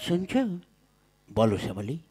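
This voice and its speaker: A man's voice: on the low side, very animated, normal speed, over loud music. A man playing a compliant village husband in a folk puppet comedy, answering briefly and agreeably. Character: obedient village husband in on his wife's scheme.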